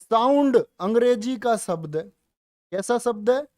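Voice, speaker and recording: A man's voice: extremely high pitch, animated, measured pace, darkish tone, no echo, clean studio sound. A man teaching a grammar class online, coaxing and repeating questions to his students. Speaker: Hindi teacher.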